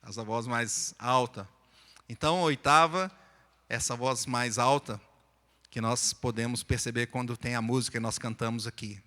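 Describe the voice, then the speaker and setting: A man's voice: medium pitch, fairly even intonation, normal speed, pushed and bright. A man with a Brazilian Portuguese accent, a pastor preaching a sermon in a church, explaining scripture in a conversational way. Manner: sings and chants psalm verses, then explains them plainly. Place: church sanctuary. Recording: echoey church hall.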